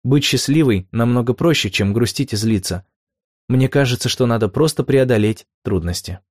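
Man voicing a resilient woman in her thirties, calm and matter-of-fact, dry close sound. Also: mid-range voice, normal speed, no echo, natural voice. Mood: calmly upbeat.

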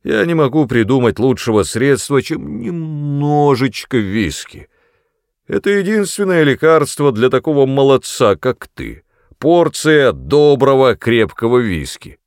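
Brutal drunk father, sneering and loud, big swinging voice, as a male reader puts him on. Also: on the high side, big pitch swings, measured pace, no echo, studio quality, pitched above the performer's own voice. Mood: mocking. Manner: mocking, menacing, loud.

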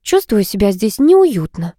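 A woman's voice: mid-range voice, very animated, a little slow, warm tone, no room sound, studio quality. A woman voicing a playful young girlfriend. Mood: uneasy. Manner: playful, dreamy. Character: young woman, playful shy best friend.

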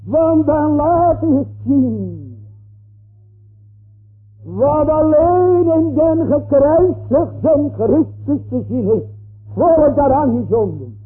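A man preaching a slow, emphatic sermon, repeating his phrases for weight. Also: very high-pitched, animated. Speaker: pastor. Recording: tinny lo-fi old sermon tape.

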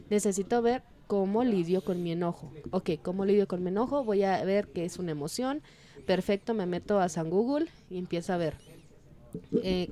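Mexican woman, podcast therapist, mellow, chatty explainer. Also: mid-range voice. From Durango, Mexico. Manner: conversational, acts out imagined dialogue. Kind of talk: casual explanatory chat. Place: studio in Guadalajara.

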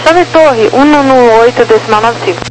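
An air traffic controller of unclear sex with a Brazilian accent, giving clipped, procedural clearances over crackly, military-style radio. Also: mid-range voice, normal speed, loud music behind the voice. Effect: radio transmission. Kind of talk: crackly radio transmissions, terse clearance phraseology. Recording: crackly, humming aviation radio.

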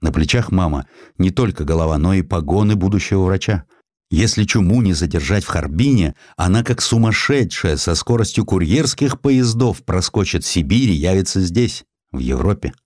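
A man's voice: low-pitched, a little mellow, dry recording, studio quality. A man voicing an earnest, stubborn young medical student in audiobook dialogue, speaking in a declamatory way.

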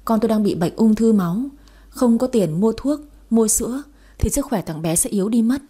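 A woman reads a devoted young mother in a sad audio story, pleading through tears. Her voice is warm and breathy, her talk imploring. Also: medium pitch, expressive, fairly quick. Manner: pleading and tearful. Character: desperate, devoted young mother of a sick boy.

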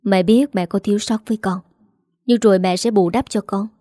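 A woman's voice: mid-range voice, steady tone, a little fast, dark tone, no room sound, studio quality, lightly acted. A woman voicing a harsh, scolding old mother-in-law with a cutting, contemptuous manner.

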